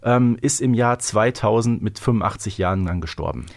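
A man's voice: fairly low pitch, fairly quick. A man co-hosting a podcast, chatting casually and knowledgeably as a fan. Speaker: podcast co-host.

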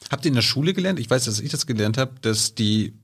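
Husky man asking short questions. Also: mid-range voice, animated, quick pace, a bit bright. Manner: short, brief follow-up questions. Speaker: podcast host. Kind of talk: interview questions.

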